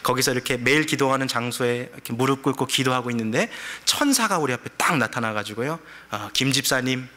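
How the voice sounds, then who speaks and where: A male pastor preaching a lively sermon, acting out quotes and asking the congregation questions. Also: mid-range voice, quick pace, few pauses. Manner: animated, acts out quotes, asks the congregation questions. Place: church sanctuary. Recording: reverberant church sanctuary.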